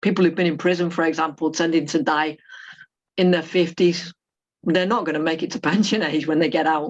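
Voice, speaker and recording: A woman with an unremarkable speaking voice talks at a fairly quick pace, fairly low in pitch, with fairly even intonation. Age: 60s. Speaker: workshop participant. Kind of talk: workshop discussion.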